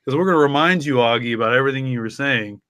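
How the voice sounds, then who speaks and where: A man's voice: mid-range voice, very fast, fairly bright tone, no room sound. A man co-hosting a podcast in casual, conversational talk. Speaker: podcast co-host, story writer. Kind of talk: casual chat.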